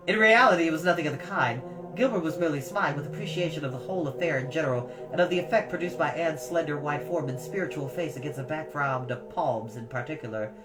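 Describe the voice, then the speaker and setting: A woman reading a story aloud with expressive, emphatic, dramatic delivery, as a storytime host. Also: deep voice. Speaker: storytime reader. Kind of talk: expressive story narration with encouraging asides. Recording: slightly distant mic, music behind.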